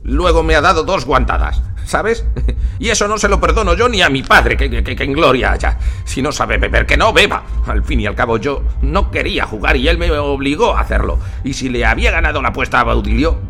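A man voicing a rough, agitated village man who rambles, stammers and repeats himself in a rant. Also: on the high side, lively intonation, a little fast, pushed and bright, faint music behind, voice pushed up. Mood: indignant. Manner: stammering, repeating words, ranting.

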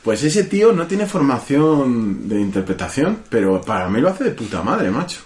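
A man's voice: mid-range voice, very animated, moderate pace, darkish tone. A man hosting a casual film podcast, insistent and swearing freely. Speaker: podcast host discussing a film.

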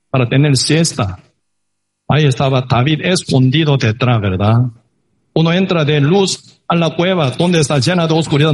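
A man preaching a sermon that retells a Bible story, halting and peppered with tag questions. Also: a little high, slightly rough.

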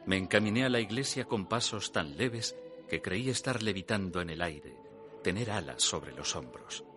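Over background music, an actor voices a pious priest recalling his innocent youth and temptation in dramatic first-person radio theatre. His low voice has lively intonation, and the narration is solemn, measured, and literary, in a mood of solemn reminiscence.

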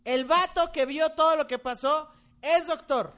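A woman's voice: high-pitched, unhurried, fairly bright tone. A woman with a Mexican Spanish accent hosting a casual chat, joking and teasing with slang.

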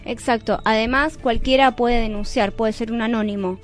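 A woman's voice: a little high, fairly even intonation, moderate pace, faint music behind. A woman with an Argentine accent co-hosting a radio talk programme. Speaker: radio co-host.

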